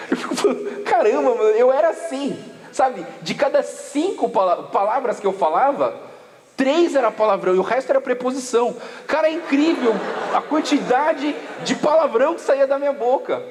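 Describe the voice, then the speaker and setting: A man's voice: extremely high pitch, lively intonation, moderate pace. A Brazilian man with a Brazilian Portuguese accent preaching at a youth camp, telling stories in a casual, joking way full of slang. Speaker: pastor. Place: large hall at a church camp. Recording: echoey hall with long reverb.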